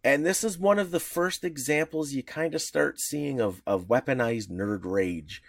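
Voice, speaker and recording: A man co-hosting a podcast, explaining at length with many restarts and sudden lifts in pitch. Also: measured pace, gravelly, no echo. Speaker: podcast co-host. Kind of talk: casual podcast discussion.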